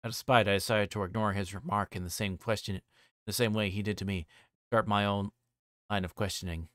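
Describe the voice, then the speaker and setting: A man's voice: fairly low pitch, steady tone, fairly quick, fairly bright tone, no echo, studio quality. A man livestreaming a visual novel, reading its narration aloud and sometimes stumbling and re-reading. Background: music behind the voice.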